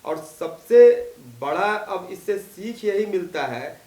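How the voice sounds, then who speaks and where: A man's voice: high voice, lively intonation, slow pace, warm tone, reverberant, far from the mic. A man reporting in a news discussion, talking in a hesitant way with restarts and filler sounds. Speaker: field reporter and co-host.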